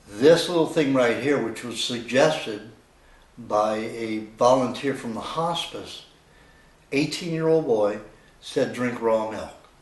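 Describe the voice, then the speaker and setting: With audible room echo, a man of medium pitch talks at a fairly slow pace. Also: ordinary pitch variation. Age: 60s. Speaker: nutritionist. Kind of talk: advocacy monologue to camera.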